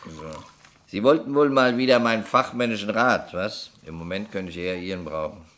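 A man acting a sharp, sceptical homicide investigator in a radio crime drama, blunt and sardonic. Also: lowish voice, moderate pace, natural voice. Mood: wry, weary. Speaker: actor in a radio crime play.

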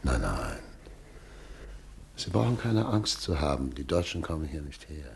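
Low, gravelly, soothing doctor. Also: male voice, measured pace, slight background noise, full character voice. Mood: reassuring. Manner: soothing, steady. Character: calm, protective doctor, a fellow camp prisoner. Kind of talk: German radio drama acting.

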